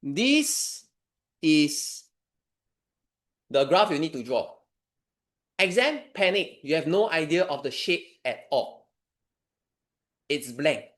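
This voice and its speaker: A man's voice: on the high side, expressive, takes it slowly, pauses often, a bit bright. A man with a Singaporean accent teaching a maths revision lesson in colloquial Singlish, instructing step by step and putting questions to his students. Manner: colloquial Singlish with particles like lah and ah; instructive, poses questions to students and answers them. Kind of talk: informal revision lesson, explaining worked steps.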